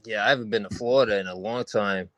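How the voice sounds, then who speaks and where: A man's voice: fairly low pitch, fast talker, no echo. A man from New York with a New York accent, chatting casually as a guest while driving in his car. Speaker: call-in guest. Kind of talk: casual chat.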